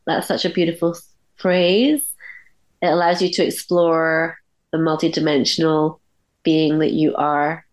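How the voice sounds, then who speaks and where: A woman hosting a podcast interview in an effusive, appreciative way, her voice husky and hoarse with a bad cold. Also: sits low. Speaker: podcast host.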